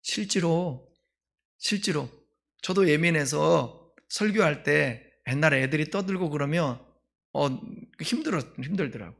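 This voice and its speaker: A male pastor preaching a sermon in a conversational way, asking the congregation questions and swinging between loud emphasis and quiet asides. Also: a little high, lively intonation, unhurried, creaky, breathy edge.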